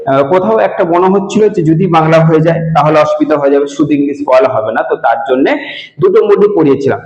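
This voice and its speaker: A man in a teacher's role goes through exam answers, speaking plainly and directly to his students. His voice sits somewhat high, and it rings with a strong echo from the bare room under renovation. The recording itself sounds dull and lo-fi. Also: darkish tone. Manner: casual, addresses students directly. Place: room with renovation work going on.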